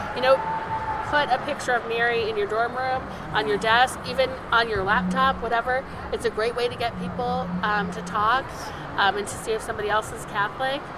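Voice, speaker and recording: A woman with a fairly high voice speaks fairly quickly in fairly even intonation, noticeable background noise around her. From US (born in Ireland, moved as a child). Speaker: podcast host. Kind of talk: casual chat. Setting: convention floor with crowd.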